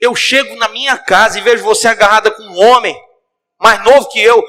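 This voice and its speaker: A preacher acting out a furious betrayed husband. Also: male voice, high voice, steady tone, a little fast, voice pushed up. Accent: Cearense Brazilian Portuguese. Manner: shouting, indignant.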